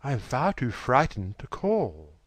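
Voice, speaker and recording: A man voicing a petulant, charming young gentleman who talks in a wilful, breathless rush. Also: medium pitch, wildly swooping pitch, dry recording, pitched above the performer's own voice. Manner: wilful, quick, breathless pleading.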